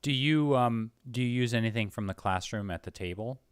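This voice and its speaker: A man's voice: medium pitch, brisk, smooth, no room sound, studio quality. A man hosting a casual conversational interview, agreeable, feeling his way hesitantly through his questions.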